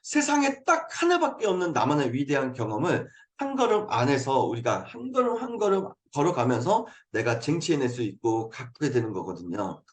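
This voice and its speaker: Animated earnest Korean motivational speaker man. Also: medium pitch, brisk, few pauses. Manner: earnest, coaxing, with frequent affirming "네". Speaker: motivational speaker hosting a habit program. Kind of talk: motivational talk. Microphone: video call mic.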